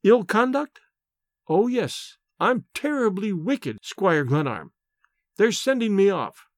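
A man's voice: high-pitched, big pitch swings, slow pace, no room sound, clean studio sound, full character voice. A man voicing a coquettish, mocking teenage schoolgirl with an arch, melodramatic manner, as in an audiobook. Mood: mock dramatic. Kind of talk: audiobook character dialogue.

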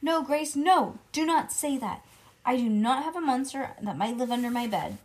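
A woman voicing an excitable, pushy little schoolgirl who talks in insistent, rambling bursts. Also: on the high side, normal speed.

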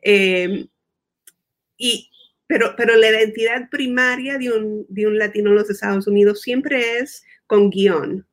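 In a conversational interview, a woman guest expert living in the United States explains her ideas thoughtfully. Her voice is medium-pitched and steady with a measured pace, and she repeats words as she thinks and slips in English terms.

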